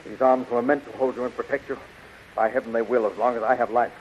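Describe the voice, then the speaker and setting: A man's voice: mid-range voice, flat delivery, fast talker, close to an everyday voice. Male actor as brave athletic space hero, declamatory, gallant, muffled and noisy 1930s radio drama. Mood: tender, protective. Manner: earnest, heroic, declamatory. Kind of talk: 1930s radio serial acting.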